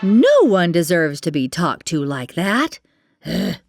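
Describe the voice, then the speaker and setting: A woman's voice: lowish voice, very animated, slow pace. A woman storyteller narrating a children's fairytale expressively, with chatty asides to young listeners. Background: music.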